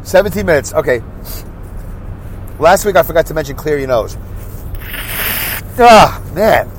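A man's voice: fairly high pitch, animated, measured pace, low-quality recording. A stuffy-nosed man hosting his own podcast, chatting casually and self-deprecatingly while driving in traffic. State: congested, stuffy nose. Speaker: podcast host. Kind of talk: solo rambling podcast monologue.

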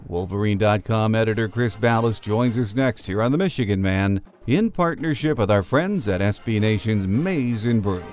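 A man hosting a sports podcast, reading a measured, earnest intro and opinion piece. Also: on the low side, lively intonation, a little mellow, soft background music. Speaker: podcast host. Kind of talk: scripted podcast intro and commentary.

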